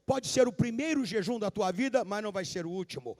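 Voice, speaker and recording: A pastor preaching a sermon at a live service, emphatic and repetitive, calling out to the congregation. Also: male voice, sits high, lively intonation, brisk. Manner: emphatic preaching, repeats key lines, calls out to the congregation. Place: large church sanctuary, live service. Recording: long hall reverb of a church.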